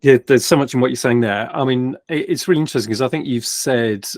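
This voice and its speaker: A man's voice: medium pitch, fast talker, darkish tone, dry recording, studio quality. A man hosting an interview, asking questions with hesitant, searching phrasing and many uhs. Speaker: interview host.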